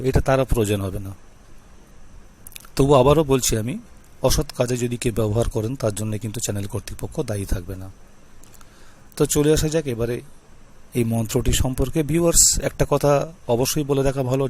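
A man hosting his own channel speaks straight to his viewers, slow and deliberate. He repeats himself often and keeps adding reminders, in a voice of middling pitch. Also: a little mellow, a little hiss or hum. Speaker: YouTube channel host teaching mantras. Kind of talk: talking-to-camera instruction.

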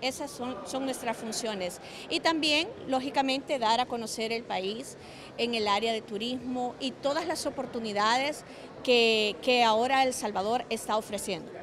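A woman's voice: fairly high pitch, moderate pace, fairly bright tone. A woman in her thirties, an honorary consul, answering interview questions earnestly in a large conference hall, with small restarts. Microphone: handheld mics and phone held up close. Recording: crowd murmur in a hall. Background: crowd chatter.

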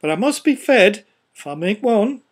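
An older woman voicing a nosy, self-serving red-faced gentleman in a storybook reading, blunt and emphatic. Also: mid-range voice, big pitch swings, moderate pace, breathy edge, pitched above the performer's own voice. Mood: greedy, curious.

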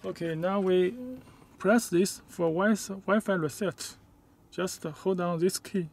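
A man who is not a native English speaker gives a step-by-step hands-on demonstration inside a car, in halting, short, simple phrases. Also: sits high, fairly even intonation. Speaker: product demonstrator.

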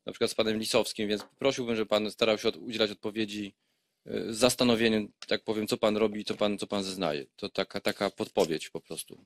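A man chairing a parliamentary inquiry committee, speaking in a measured, admonishing way with frequent hesitations. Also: on the low side, fairly even intonation. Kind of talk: formal parliamentary hearing.

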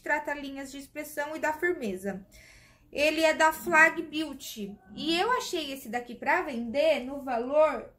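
A high-pitched Brazilian woman chats eagerly to camera, reviewing beauty products. She keeps calling out to her viewers while she tries each one on her hands. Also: fairly bright tone. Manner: chatty, enthusiastic, addresses viewers as "gente"; demonstrating products while talking. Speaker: beauty vlogger.

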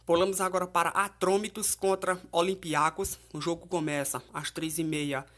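A man's voice: on the high side, little pitch movement, normal speed, a bit bright. A man with a Brazilian accent presenting informal football betting previews as a tipster, in a conversational way with frequent tag questions. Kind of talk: informal match preview and betting tips commentary.

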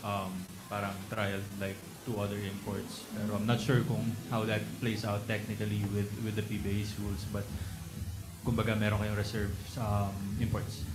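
Low, flat Filipino reporter, echoey room. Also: male voice, normal speed. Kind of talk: hesitant press question. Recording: echoey, noisy, off-mic press room.

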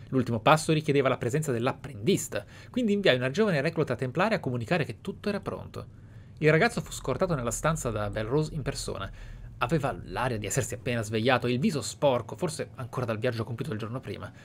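Male gamer, mid-pitched, narrates in character, pensive and dramatic with murmured asides, noisy game background. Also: lively intonation, quick pace. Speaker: video game player and narrator. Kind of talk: roleplay let's play commentary, in-character musing and reading aloud. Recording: clear background noise, game ambience. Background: video game ambience.

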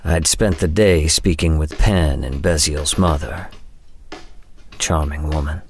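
A man's voice: very deep voice, slow pace, a little hiss or hum. An actor playing a world-weary older man, brooding and wry, in a noir audio drama monologue. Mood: wary, weary.

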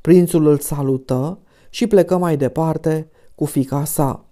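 Low, mellow woman reading a classic novel. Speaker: audiobook narrator. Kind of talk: scripted narration.

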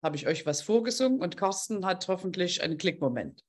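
A woman's voice: on the low side, very animated, brisk, a little mellow. A woman hosting an online group coaching session, talking in an effusive, heartfelt way and addressing participants directly.

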